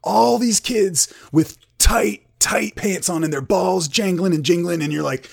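A man playing a gravelly, earnest Christian metal singer. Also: high-pitched, unhurried, exaggerated voice. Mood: wounded, indignant. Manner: rambling, earnest, oblivious oversharing. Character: earnest, prudish middle-aged male Christian metal singer. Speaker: comedy podcast guest in character. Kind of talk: improvised mock interview.

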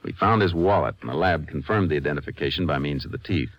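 A very low-pitched male Texas Ranger in a vintage radio western. He is methodical and courteous, speaking in measured, businesslike phrases as he investigates. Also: dry recording, dull audio. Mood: gentle questioning. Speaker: lead actor and narrator. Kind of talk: 1950s radio drama acting.

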